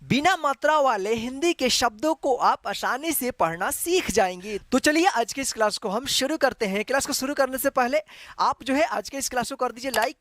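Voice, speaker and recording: A man with a very high, fairly bright voice teaches Hindi online slowly and patiently. He repeats each letter several times and keeps returning to the filler "jo hai."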